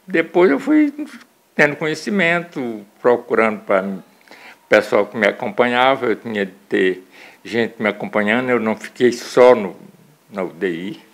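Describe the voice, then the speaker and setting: A man in his seventies from in Brazil, recalling events in a halting way with restarts. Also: mid-range voice, big pitch swings. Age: 70s. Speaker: interviewee. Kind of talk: casual recollection.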